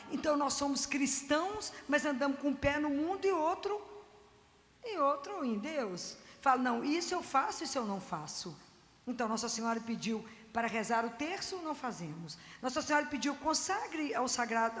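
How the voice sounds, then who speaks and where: Woman, high voice, fervent sermon, asks the audience questions, long hall reverb. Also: fairly bright tone. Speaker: Catholic lay speaker.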